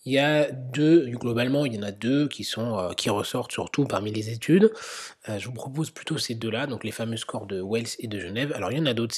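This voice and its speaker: A man with a slightly husky voice walks through medical guidelines in a slide lecture. He explains step by step, hesitating often and sometimes dropping into a whisper. His pitch sits in an ordinary middle range. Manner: explanatory, frequent hesitations, occasional whispered asides.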